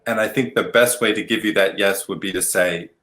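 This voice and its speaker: A man's voice: sits low, brisk, sharp tone. A man hosting a game show, calling turns and strikes and explaining his rulings in a game show host's delivery.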